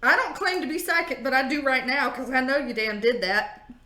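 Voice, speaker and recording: A woman's voice: high-pitched, animated, brisk, pushed and bright. A woman giving a casual tarot reading on video, sassy and joking, often laughing. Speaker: tarot reader. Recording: roomy echo.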